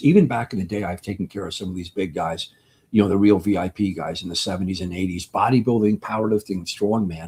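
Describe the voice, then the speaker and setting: On a very clean recording with a silent background, a man speaks at a fairly quick pace in a dark, mellow, somewhat breathy voice, with fairly even intonation and big swings in loudness. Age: 60s. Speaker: physician presenting on testosterone therapy. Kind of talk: live presentation. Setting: livestream. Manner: casual, repetitive with false starts.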